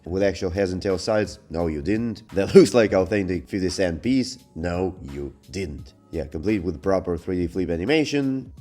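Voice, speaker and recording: A man's voice: sits low, warm tone. A man giving casual, unscripted review commentary in a hesitant, rambling, sardonic way. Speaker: YouTube software reviewer.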